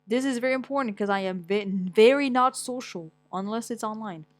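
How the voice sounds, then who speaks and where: A woman's voice: on the high side, brisk, no room sound. A young woman from Morocco chatting casually as a vlogger, rambling and blunt, swearing often as she reads things aloud and reacts to them. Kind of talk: casual chat, reading aloud.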